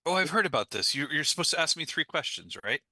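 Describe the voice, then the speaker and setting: Sharp, slightly husky man playing a tabletop game. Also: on the high side, very animated, fast talker, no echo. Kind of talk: casual in-character game talk.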